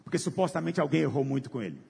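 A man preaches with fierce passion, his voice pitched high, gravelly and rough-edged. He swings from loud cries down to low murmurs. The sound rings out in a reverberant hall. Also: very animated, very fast. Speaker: pastor. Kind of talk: sermon.

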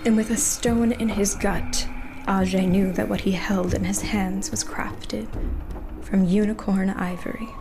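A woman narrating horror fiction as game master, with measured, suspenseful storytelling. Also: mid-range voice, steady tone, vocal fry, noisy background. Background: music.

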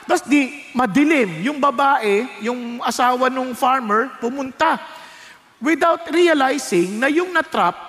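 A man preaching a bilingual sermon as pastor, animated and engaging the congregation with a story. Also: very high voice. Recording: long church-hall reverb.

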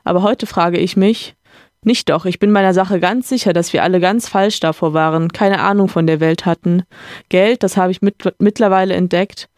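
A podcaster reading a novel aloud, voicing a calm, reflective gentleman who lectures his friend in a slightly raised voice. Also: medium pitch, moderate pace, no room sound, clean studio sound, lightly acted. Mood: earnest lecturing.

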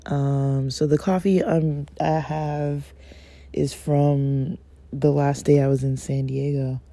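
A man hosting a casual morning podcast, raspy from just waking up, rambling with lots of fillers. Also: a little high, little pitch movement, slow pace, mellow, no echo. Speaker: podcast host.

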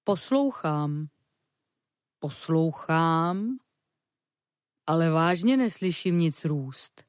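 A woman voicing a calm, patient male bear who speaks slowly and thoughtfully in a children's storybook reading. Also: deep voice, no echo, clean studio sound, lightly acted. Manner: slow, thoughtful, hesitant.

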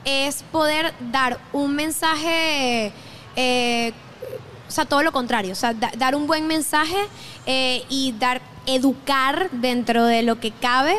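High-voiced chatty young Venezuelan woman. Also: steady tone, takes it slowly, fairly bright tone, slight background noise. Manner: chatty, self-correcting, laughs easily. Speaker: podcast guest. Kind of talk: casual interview chat.

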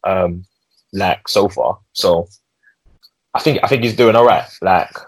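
Young man, London roadman accent, slangy podcast chat, low-pitched, slightly husky, repetitive phrasing. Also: unhurried, no echo, low-quality recording. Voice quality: urban London street slang delivery. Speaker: podcast host. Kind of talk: casual music podcast chat.

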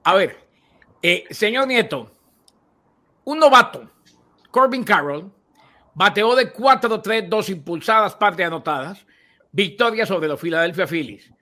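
A man's voice: high voice, expressive, sharp tone. A man co-hosting a sports podcast, playful and teasing in casual chat. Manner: playful, teasing, then quick stats rundown.

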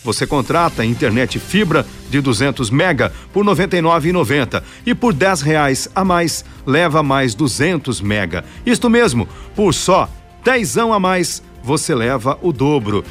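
A man's voice: fairly high pitch, big pitch swings, unhurried, a bit bright, faint music behind. A Brazilian man, a radio host, reading a hard-sell advertisement with emphatic, pushy sales delivery.

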